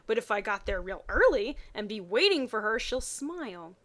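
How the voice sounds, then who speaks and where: A lovestruck teenage boy, acted by a woman reader, talks in a fairly high voice. He sounds earnest and dreamy, with melodramatic delivery suited to a fan fiction story. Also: big pitch swings, normal speed, fairly bright tone.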